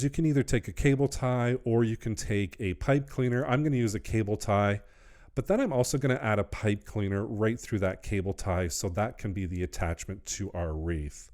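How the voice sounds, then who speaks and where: A man's voice: lowish voice, a little mellow. A middle-aged man hosting a wreath-making tutorial, explaining each step in an upbeat, instructional way. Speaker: wreath-making channel host. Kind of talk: craft tutorial voice-over.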